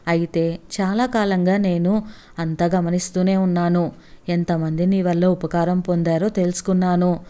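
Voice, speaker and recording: A woman's voice: lowish voice, level tone, moderate pace, clean tone, close to an everyday voice. Woman voicing an old grandfather, coughing and stern. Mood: remorseful. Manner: shouting while coughing, later gentle.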